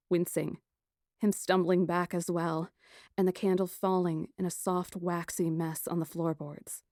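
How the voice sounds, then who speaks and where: A woman narrating a first-person fantasy audiobook in an expressive, dramatic and deliberate storytelling style. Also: lowish voice, no echo, studio quality.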